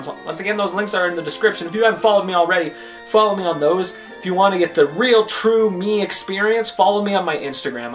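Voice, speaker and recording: A twenty-something YouTube host answers questions about himself in a casual vlog Q&A, joking and rambling. His voice is a little high and a bit bright.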